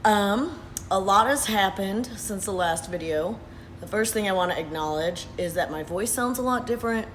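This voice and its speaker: A hoarse man in his thirties talks earnestly in a casual vlog, pausing often with "uh" and "um". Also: high voice, a bit bright, a little hiss or hum. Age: 30s. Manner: earnest, unhurried, with frequent "uh" and "um". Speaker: vlogger. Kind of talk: casual talking-head update. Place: sitting at his workplace after hours.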